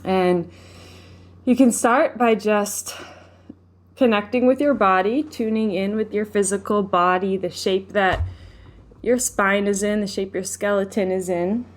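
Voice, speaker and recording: A woman leading a guided meditation, speaking gently and without hurry, giving instructions with pauses. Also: medium pitch, fairly even intonation. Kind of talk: guided meditation, live session.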